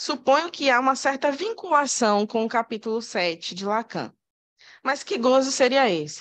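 Her pitch high, a woman talks with very wide pitch swings. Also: moderate pace. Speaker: psychoanalysis institute associate; presenter. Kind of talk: reading a prepared paper. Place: classroom. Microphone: podium.

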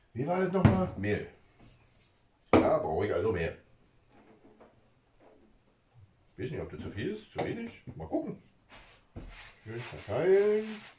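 Long, frequent pauses and big swings in loudness come through over noticeable background noise. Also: man, moderate pace. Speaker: home cook vlogger. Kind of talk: casual vlog chat. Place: kitchen. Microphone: camera far.

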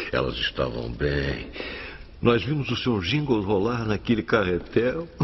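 A man speaks at a fairly slow pace in a very deep, low pitch. His pitch swings very widely over light background noise. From Brazil. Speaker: voice actor; voice actor dubbing a film character. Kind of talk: film dub. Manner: emotional, sad. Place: booth.

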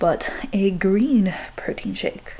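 This woman talks with a fairly even intonation. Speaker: fitness vlogger. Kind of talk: casual vlog tutorial chat. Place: kitchen.

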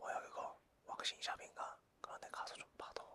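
A man is whispering. He talks at a fairly slow pace. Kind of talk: ASMR roleplay, close personal attention. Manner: casual, familiar, chatty.

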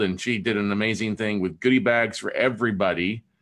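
Against a quiet background, a man with a plain, everyday voice speaks at a moderate pace, his fairly low pitch carrying fairly even intonation. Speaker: podcast host. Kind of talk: casual podcast monologue. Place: home room. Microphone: webcam.

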